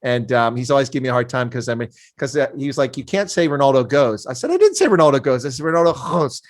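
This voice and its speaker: A man's voice: mid-range voice, sing-song, fast. A man hosting an interview, chatty and enthusiastic, laughing often as he talks. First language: English. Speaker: interview host. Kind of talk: casual interview chat.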